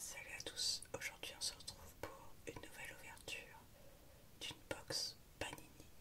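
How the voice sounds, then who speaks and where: In a whisper, the words come at a very slow pace, broken by long, frequent pauses. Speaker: card collector ASMR creator. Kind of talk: ASMR card opening. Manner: whispered. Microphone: handheld.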